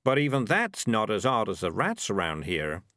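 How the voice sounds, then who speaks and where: A man's voice: lowish voice, wildly swooping pitch, moderate pace, fairly bright tone, dry recording, clean studio sound. A man voicing a naive, honest young boy who speaks in an earnest, uneasy, questioning way in a storybook.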